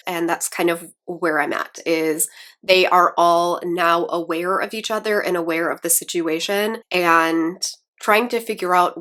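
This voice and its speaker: A woman book vlogger chatting casually about her reading, a little raspy and rambling with fillers. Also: on the low side, a bit bright. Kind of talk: casual chat.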